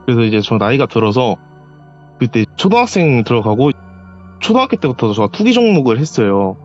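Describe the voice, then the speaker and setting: A man calling in to tell his own ghost story, lively and animated, jumping his voice up high whenever he acts out what someone said. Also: a little fast, lo-fi sound, faint music behind. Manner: animated, acts out quoted voices with sharp pitch jumps. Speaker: caller telling a personal story. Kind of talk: call-in horror storytelling. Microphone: voice call.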